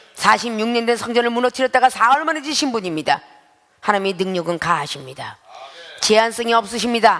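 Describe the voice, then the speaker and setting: A woman's fairly high-pitched, animated voice at a fairly quick pace with ordinary pitch variation, over noticeable background noise. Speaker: pastor. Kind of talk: sermon. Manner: fast.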